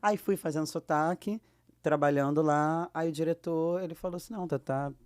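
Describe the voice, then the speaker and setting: A Brazilian woman with a Brazilian Portuguese accent, a guest actress telling lively anecdotes and acting out the dialogue she quotes. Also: deep voice, normal speed. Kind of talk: casual storytelling.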